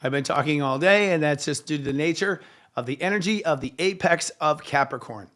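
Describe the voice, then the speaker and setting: Hoarse, chatty male astrology host. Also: on the high side, fairly bright tone. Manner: chatty, with frequent fillers and self-corrections. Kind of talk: live astrology show talk.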